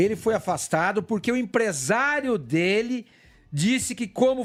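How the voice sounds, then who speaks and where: This is a man speaking. His intonation is lively. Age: 60s. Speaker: sports journalist. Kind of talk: heated debate.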